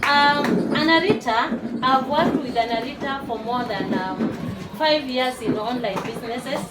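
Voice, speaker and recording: A woman in her forties from Uganda, a teacher and network marketer, giving a lively testimonial to a live audience and rallying them to clap. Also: high voice, measured pace. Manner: lively, rallies the crowd to clap. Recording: echoey hall, far from the mic, noisy.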